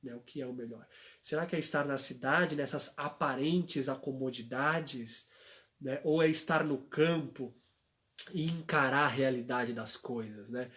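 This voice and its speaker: A man's voice: medium pitch, a little slow, a bit bright. A young man, a church worker, giving a religious testimony on a live stream, telling stories and asking rhetorical questions like a preacher. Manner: storytelling, acts out quoted voices.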